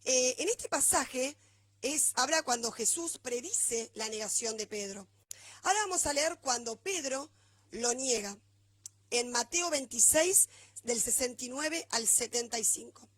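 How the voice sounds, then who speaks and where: A woman's voice: fairly high pitch, lively intonation, a little slow, fairly bright tone. A woman pastor with a Rioplatense Spanish accent, preaching a conversational sermon and often checking in with the congregation.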